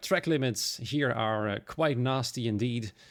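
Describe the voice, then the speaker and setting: Very clean recording with a silent background, a man at medium pitch with a Dutch accent. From Netherlands. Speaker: sim racing commentator. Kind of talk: live commentary. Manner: hesitant, many fillers.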